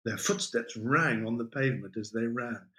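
A man, a writer, reading his own short story aloud in a measured, expressive way. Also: mid-range voice. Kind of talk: literary reading.

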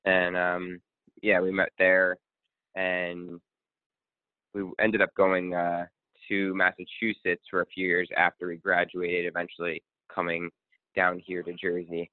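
A man from Connecticut, a guest speaker and coach, talking in a relaxed, rambling way with many ums. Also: deep voice, unhurried, no room sound. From Connecticut, USA. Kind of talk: casual interview. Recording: tinny phone-line sound.

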